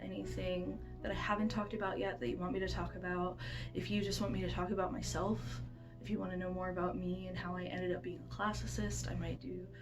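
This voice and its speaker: A woman's voice: on the low side, little pitch movement, fast talker. A young woman in her twenties, stuffed up with a cold, chatting casually about her plans at home, rambling with many ums and restarts. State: congested with a cold. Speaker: classics vlogger. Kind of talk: casual vlog chat. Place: home room with bookshelves. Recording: music playing loudly behind.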